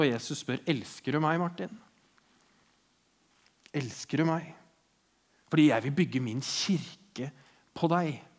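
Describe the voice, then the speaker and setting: Norwegian man preaching an earnest sermon. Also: fairly high pitch. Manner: earnest storytelling, voicing the speakers in the passage he retells.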